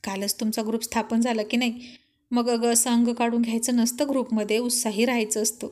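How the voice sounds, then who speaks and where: A woman voicing a playful, tough young husband who teases his wife lovingly, drawling some lines slowly. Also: on the high side, level tone, a little mellow, natural voice. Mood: teasing. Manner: teasing, boastful, slow drawn-out lines.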